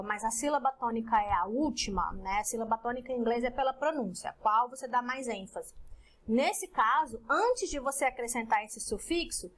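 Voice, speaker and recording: A woman's voice: high voice, fairly bright tone. A woman from Brazil with a Brazilian Portuguese accent, teaching an English grammar lesson in a didactic way and often checking in with the class. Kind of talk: recorded lesson explaining grammar.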